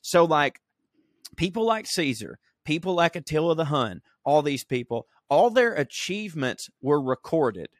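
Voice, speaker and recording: A man's voice: on the high side, big pitch swings, unhurried, no echo, clean studio sound. A man co-hosting a podcast, chatting casually in a rambling, profane, joking way. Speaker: podcast co-host. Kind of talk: casual comedic chat. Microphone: remote recording.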